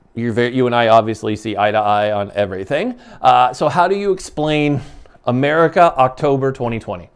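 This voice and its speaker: Against a quiet background, a man talks at a fairly quick pace in an animated tone with lively intonation. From Florida. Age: 40s. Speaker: talk show host. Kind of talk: interview. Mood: serious, reflective. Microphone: video call.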